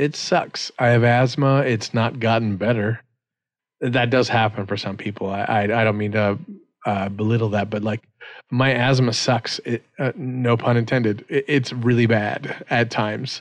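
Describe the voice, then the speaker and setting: With an American accent, a man uses a normal speaking voice at a medium pitch, moderate pace and fairly even intonation. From rural Indiana. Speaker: musician and podcast editor. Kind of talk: casual chat.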